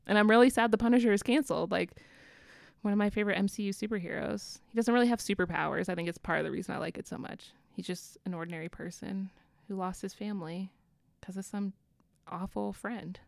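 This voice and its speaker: A woman's voice: mid-range voice, fast talker, creaky, dry recording, clean studio sound. A woman from the American South with a Southern accent, co-hosting a casual book podcast, chatty with frequent laughs. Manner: chatty, laughs often, many fillers.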